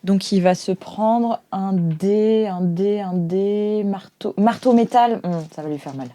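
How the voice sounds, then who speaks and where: A woman's voice: medium pitch, slow pace, mellow. Casual woman running a tabletop game. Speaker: game master. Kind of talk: improvised tabletop roleplay narration, casual.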